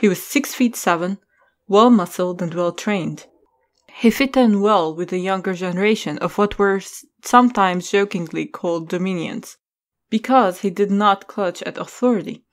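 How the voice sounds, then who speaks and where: A woman's voice: mid-range voice, normal speed. Woman narrator with a mid-range voice. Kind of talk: scripted story narration.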